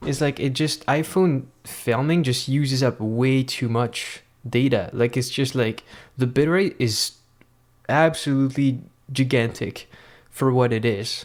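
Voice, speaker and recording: A man with a French accent speaks at a fairly slow pace and medium pitch on a very clean recording with a silent background. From France. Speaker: vlogger and musician. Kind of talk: casual vlog monologue. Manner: rambling, hesitant with repetitions.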